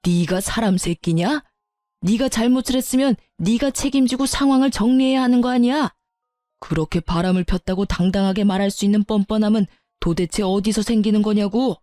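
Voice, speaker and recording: An enraged older father-in-law hurls insults at his grown son, as a woman voices him in a story reading. The voice is mellow and dark rather than bright, close and dry. Soft music plays underneath. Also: mid-range voice, a little fast, no echo, close to an everyday voice. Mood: furious. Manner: berating, shouting insults.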